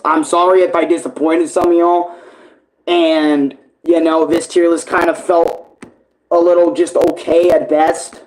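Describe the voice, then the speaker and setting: A young man chatting casually on a livestream, rambling and swearing with enthusiasm, his voice hoarse and worn. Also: a little high, darkish tone, slight background noise, low-quality recording. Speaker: streamer ranking games. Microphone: tablet camera.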